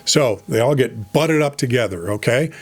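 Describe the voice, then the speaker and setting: Middle-aged male coach, conversational and direct, mid-pitched, easygoing delivery with frequent ums. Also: lively intonation, moderate pace, breathy edge. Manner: conversational, frequent fillers and restarts; encouraging, direct advice. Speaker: voice over coach. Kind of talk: casual instructional talk.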